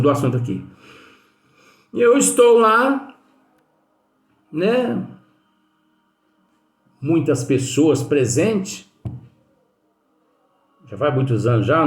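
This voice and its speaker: A man giving a spiritist study lesson in a conversational way, telling anecdotes and often tagging sentences with questions to his listeners. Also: medium pitch. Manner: chatty, leans on tag questions. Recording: echoey room with faint music.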